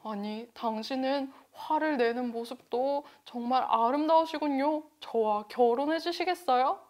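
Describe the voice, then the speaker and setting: A woman voicing fickle storybook husbands who propose with flattery and later complain politely. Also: high-pitched, unhurried. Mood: flattering. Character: smitten husbands, fickle grown men.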